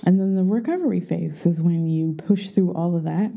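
A jet-lagged woman records a vlog under a blanket in her bedroom, her voice muffled as she chats and rambles to viewers, self-correcting along the way. Her voice is lowish, gravelly and warm, at a normal speed.

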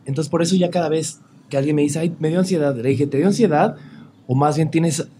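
A man's voice: on the high side, fairly quick, noisy background. A man with a Mexican Spanish accent hosting a casual podcast interview, chatty, slangy and enthusiastic. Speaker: podcast host.

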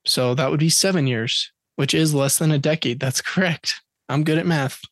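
A man's voice: on the high side, normal speed, a bit bright, no room sound, studio quality. A man co-hosting a podcast in casual chat, reading out dates and facts with jokes along the way. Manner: chatty, joking, reads facts and dates aloud. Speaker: podcast co-host.

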